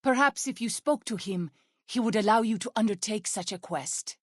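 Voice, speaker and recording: An actress voicing a solemn, devout tribal woman in a video game, speaking in a formal, measured and earnest way. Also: mid-range voice, no room sound, clean studio sound, natural voice. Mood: calm, courteous. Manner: formal, measured, earnest speech with few contractions. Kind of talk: video game character dialogue.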